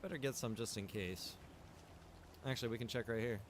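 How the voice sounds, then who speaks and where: A man with a mid-range voice gives loose, rambling commentary while he plays a survival game on stream. He thinks out loud and drops in small chuckles now and then. A faint hiss sits low behind his voice. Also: brisk. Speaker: streamer and game server developer. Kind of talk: live-stream gameplay commentary.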